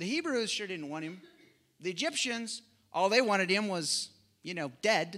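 A man's raised, projected voice, high in pitch, bright and sharp in tone, with lively intonation, a moderate pace and long, frequent pauses. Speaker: missionary. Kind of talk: sermon-style talk to a congregation. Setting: church. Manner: halting, with fillers and restarts.

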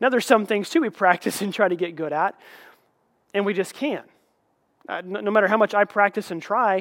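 In a dry, close recording with no echo, a man with an American accent and a high pitch speaks with ordinary pitch variation and long, frequent pauses. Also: very clean recording, silent background. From Oklahoma. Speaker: pastor. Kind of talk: sermon. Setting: recorded video service during stay-at-home order. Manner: casual, joking.

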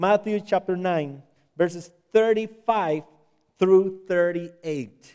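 A man's high voice in a Spanish accent, with ordinary pitch variation. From Costa Rica. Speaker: visiting missionary. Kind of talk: sermon. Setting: church.

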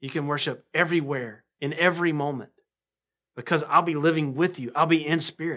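Speaking at a fairly quick pace with a Southern US accent, a man has a fairly high pitch and a bright, sharp tone. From North Carolina. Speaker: pastor. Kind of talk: sermon. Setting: live stream from church.

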